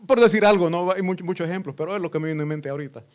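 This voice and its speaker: Male pastor, sermon, higher voice, sudden loud outbursts, acted-out quotes. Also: rapid-fire.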